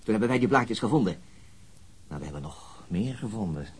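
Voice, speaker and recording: An actor playing a persistent police interrogator in a radio crime drama, probing, controlled and insinuating. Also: male voice, lowish voice, animated, a little fast, breathy edge. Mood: accusing, controlled. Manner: insistent, probing.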